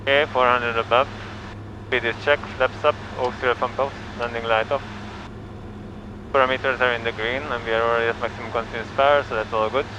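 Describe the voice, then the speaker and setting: A man's voice: mid-range voice, fairly even intonation, brisk. Man in noisy cockpit, clipped checklist talk. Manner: clipped, methodical, talking through procedures. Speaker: student pilot flying solo. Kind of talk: radio calls and spoken checklist commentary. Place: small aircraft cockpit in flight. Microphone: cockpit intercom headset. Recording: dull cockpit audio with aircraft noise.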